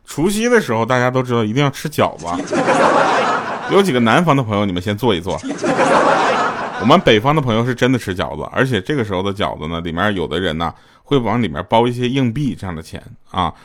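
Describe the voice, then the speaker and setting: A man tells comic stories in a casual way. He laughs often and jumps into raised voices for the people in his jokes, so his pitch swings widely. Loud background noise and clicks run under his voice. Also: fast. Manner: animated, laughing, acts out dialogue in raised voices. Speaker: livestream host telling jokes.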